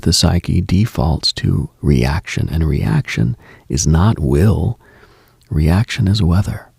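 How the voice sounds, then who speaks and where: Gravelly whispering late-night male host. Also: a little mellow, no echo, clean studio sound. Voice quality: gravelly low voice, often dropping to a whisper. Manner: measured, contemplative, lists in short phrases. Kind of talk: slow reflective late-night monologue.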